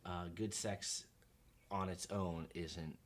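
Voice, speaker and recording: A man's voice: deep voice, fairly even intonation, slow. A man in his thirties co-hosting a casual marriage advice talk, conversational, with joking asides. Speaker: podcast co-host.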